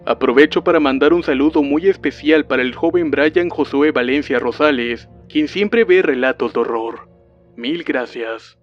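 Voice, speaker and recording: A man narrating a witch horror story in a calm, even storytelling voice. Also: medium pitch, normal speed. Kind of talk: scripted narration. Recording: dull lo-fi sound with faint music.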